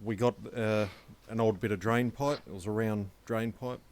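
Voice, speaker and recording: A man's voice: on the low side, fairly even intonation, normal speed, darkish tone. A man with an Australian accent telling laid-back, matter-of-fact anecdotes in a casual podcast chat. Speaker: podcast co-host.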